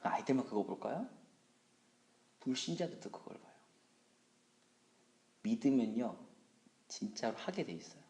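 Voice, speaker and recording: A man in his thirties, a junior pastor teaching a Bible study, animated and joking about himself. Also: moderate pace, vocal fry, pauses often, reverberant. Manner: animated, acts out scolding and quoted voices with big pitch jumps; humorous, self-deprecating asides.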